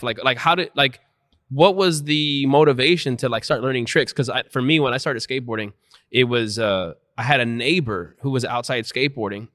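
A man hosting a casual interview, relaxed, backing up the guest with frequent agreement. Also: mid-range voice, no room sound, studio quality. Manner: relaxed, frequent "yeah, yeah" backchannels. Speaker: interviewer, podcast host.

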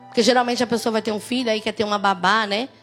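Woman pastor, Brazilian accent, high voice, conversational sermon, emphatic, faint music behind. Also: steady tone, quick pace, a bit bright. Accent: Brazilian Portuguese. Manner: emphatic, conversational preaching with rising exclamations.

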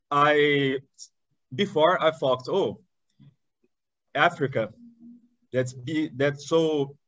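A man from southern Brazil with a Brazilian Portuguese accent, a guest on an interview podcast. He speaks with enthusiasm, in halting English full of restarts. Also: fairly high pitch, fairly bright tone, no echo, highs cut off. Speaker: guest, chamber of commerce director.

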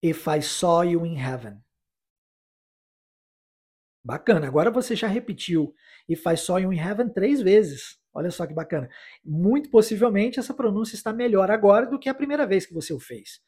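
A man from Brazil teaching English in a podcast lesson, explaining phrases and then repeating the English lines slowly for listeners to practise. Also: high voice, expressive, mellow, breathy edge. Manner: encouraging, with tag questions like "né?" and "tá?".

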